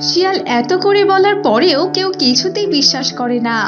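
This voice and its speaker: A woman narrates a children's story from a script. Her voice is high and animated, with music playing behind her. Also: normal speed, muffled recording.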